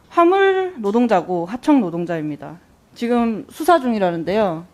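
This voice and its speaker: Faint guitar music sits under this clip of a young woman, in her twenties, questioning an executive during a national assembly hearing. She's a lawmaker asking indignant, pointed rhetorical questions in a somewhat high, slightly mellow voice.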